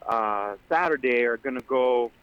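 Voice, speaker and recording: A man from Greece calling in to a radio show, talking earnestly with many pauses. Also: mid-range voice, clear, resonant tone, no echo. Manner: earnest, with many ums, speeds up when joking. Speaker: caller. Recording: dull lo-fi phone line.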